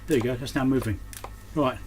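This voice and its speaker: Fairly quick and steady in tone, a man with a mid-range voice gives loose, hands-on commentary on an electronics repair, muttering and thinking aloud at the workbench. Background noise is clear throughout.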